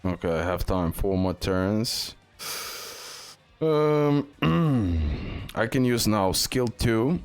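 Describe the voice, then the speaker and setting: Slow-paced, low-voiced man commenting on gameplay. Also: sing-song, faint music behind. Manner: repeats short phrases over and over. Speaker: gaming video host. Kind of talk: casual unscripted gameplay commentary.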